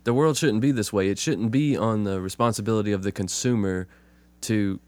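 A man, hoarse from a cold and with a rough voice, chatting casually and swearing freely as a podcast co-host. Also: lowish voice, fairly quick, no echo. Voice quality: rough, smoker-like voice. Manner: laid-back, swears casually, says "man" a lot. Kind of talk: casual chat.

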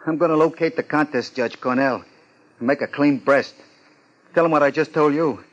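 An actor playing a nervous small-time swindler in a 1950s radio drama, with plain, slangy talk. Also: male voice, a little high, moderate pace, highs cut off, lightly acted. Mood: uneasy, confessing.

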